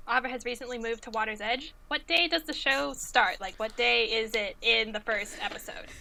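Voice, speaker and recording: A woman's voice: fairly high pitch, normal speed, vocal fry, pushed and bright. A giggly, playful woman casually hosting a trivia quiz among friends on an online call. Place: remote group call. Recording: faint background noise, online group call.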